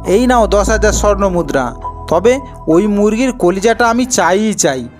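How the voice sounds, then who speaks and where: A woman's voice: mid-range voice, lively intonation, a little slow, a little mellow, soft background music, lightly acted. A woman voicing a ruthless male jeweller, the villain of a cartoon folk tale, emphatic and threatening. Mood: coaxing, menacing.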